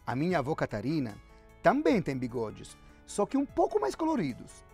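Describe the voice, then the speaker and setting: With a fairly high, darkish, slightly rough voice whose pitch swoops wildly, an Italian guest author in his fifties reflects in an interview at a normal pace. He speaks with an Italian accent, muses, restarts his sentences often and leans on fillers, with soft music in the background.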